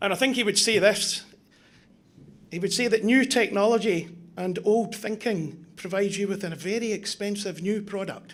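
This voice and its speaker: A man with a Glaswegian accent speaks in a high pitch at a moderate pace. His intonation is fairly even, and room echo is audible. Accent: Glaswegian Scottish. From Scotland, Glasgow. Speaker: timber manufacturer executive. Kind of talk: conference presentation. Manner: halting, many fillers.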